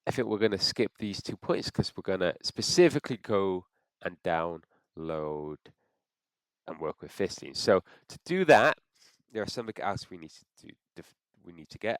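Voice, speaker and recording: A man's voice: lowish voice, no room sound. Congested man walking through a setup. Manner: thinks aloud with frequent restarts. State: congested from a cold. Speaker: software tutorial presenter. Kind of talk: screen-recorded how-to walkthrough.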